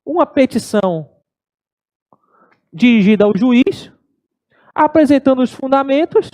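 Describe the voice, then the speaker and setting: A middle-aged Brazilian woman giving an animated exam-prep law lecture, acting out courtroom exchanges in shifting voices. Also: on the high side. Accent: Brazilian Portuguese. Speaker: law teacher.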